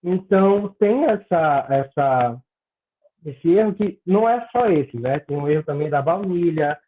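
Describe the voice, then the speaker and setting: A man's voice: a little high, animated, a little slow. Young man on a tinny call. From Pará, Brazil. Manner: earnest, explanatory, stumbles over words. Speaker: graduate student presenting research. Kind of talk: academic discussion on a video call. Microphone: video call. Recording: tinny phone-like call audio.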